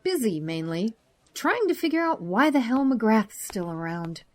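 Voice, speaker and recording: A woman's voice: a little high, very animated, measured pace, a little mellow. An actress playing a frank, dryly humorous female doctor in a naturalistic audio drama. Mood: weary, guarded. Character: frank, warm-hearted female doctor, mother.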